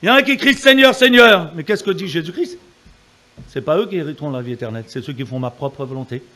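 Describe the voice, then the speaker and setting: A male preacher delivering a fervent sermon in a high voice. His pitch leaps and dives as he presses the congregation for amens. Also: lively intonation, quick pace, pushed and bright. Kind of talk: evangelical sermon.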